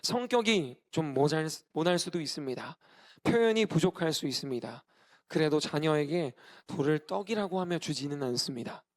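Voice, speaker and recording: A man's voice: on the high side, lively intonation, normal speed. A male pastor in his thirties giving a sermon, earnest and emphatic, repeating key phrases. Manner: earnest preaching with emphatic repetition.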